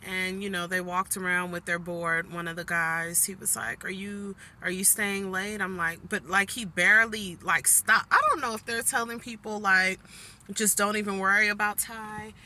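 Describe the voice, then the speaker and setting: Bright-voiced woman venting from her car. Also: medium pitch, steady tone, moderate pace, a little hiss or hum. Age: 40s. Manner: chatty venting, keeps addressing viewers as "guys". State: annoyed. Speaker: vlogger. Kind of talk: casual vlog chat. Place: inside a parked car.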